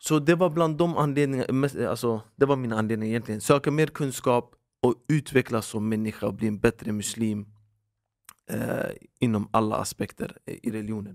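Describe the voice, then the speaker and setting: This man has a plain, everyday voice, pitched in the middle range. He keeps a moderate tempo and his pitch varies an ordinary amount. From Sweden, Stockholm (Husby, Järva). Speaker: podcast co-host, former Medina student. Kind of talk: casual chat.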